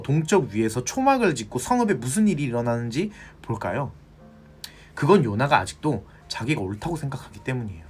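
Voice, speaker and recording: A man retelling a Bible story in a casual livestream, speaking into a phone. His pitch rises and falls a great deal as he slips into the characters' voices. He stops now and then to talk directly to his viewers. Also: husky. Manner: animated, acts out the characters, chats with viewers. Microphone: phone for a social media livestream.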